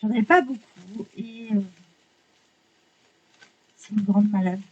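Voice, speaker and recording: A woman chatting casually while unboxing art supplies, excitable, swearing lightly and apologizing often. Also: medium pitch, slow, breathy edge, dull audio.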